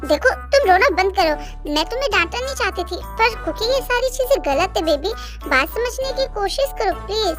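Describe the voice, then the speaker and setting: A woman voicing a gentle young woman who patiently coaxes and mildly scolds, reading a storybook. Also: very high voice, expressive, normal speed, music in the background. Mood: coaxing.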